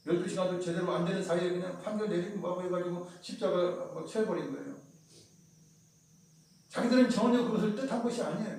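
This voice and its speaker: A man preaching a sermon as pastor in a conversational way, now and then acting out quoted voices. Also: sits high. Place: church sanctuary. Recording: roomy church sound, mic at a distance.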